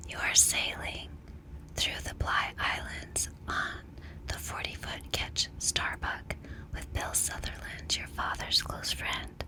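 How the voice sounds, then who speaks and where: A middle-aged woman, quiet and soft-spoken, whispering gently in an ASMR talk and reading a book aloud. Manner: gentle, unhurried, soothing. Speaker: ASMR creator.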